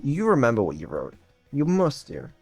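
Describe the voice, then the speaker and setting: A man's voice: mid-range voice, huge pitch swings, moderate pace, a little mellow, slightly rough, no echo, studio quality, faint music behind. A man, streaming and quizzing his AI in an exasperated, incredulous way. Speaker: streamer and developer. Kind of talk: casual stream chat.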